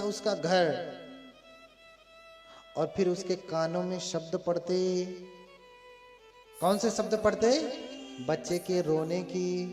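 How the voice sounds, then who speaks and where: High-voiced man preaching in an echoey hall. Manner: animated storyteller who addresses the audience with questions. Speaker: Buddhist monk preacher. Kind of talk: sermon storytelling. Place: large hall with a live audience. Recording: echoey hall with faint music.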